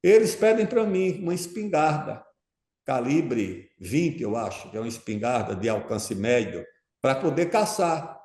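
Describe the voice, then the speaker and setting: A man's voice: mid-range voice, very animated, a little slow, a little mellow. A man answering as an interview guest, explaining his views at length and emphatically, often checking in with his listener. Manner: emphatic, keeps checking in with "tá certo?". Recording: roomy echo.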